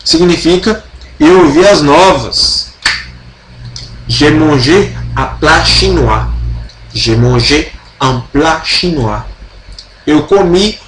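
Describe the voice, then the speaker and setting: A man's voice: a little high, echoey room, noisy background. Chatty Brazilian man teaching French. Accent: Brazilian Portuguese. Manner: chatty, playful asides, slow careful repetition of example sentences. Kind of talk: casual online grammar lesson.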